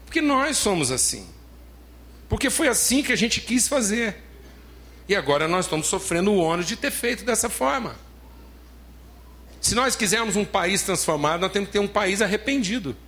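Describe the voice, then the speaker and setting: A man's voice: sits high, animated, normal speed, long pauses, a bit bright. A man with a Brazilian Portuguese accent preaching a sermon as pastor, emphatic, repeating phrases and calling listeners beloved.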